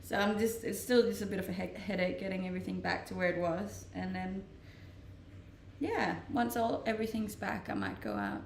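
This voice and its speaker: A chatty woman in her twenties from Denmark, talking loosely to her live stream viewers and often breaking into laughs. Her voice has a gravelly fry, and she sits back from the mic in a roomy, echoey space with a faint hiss underneath. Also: medium pitch, lively intonation, normal speed, recorded from a distance. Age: 20s. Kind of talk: casual chat reading stream comments.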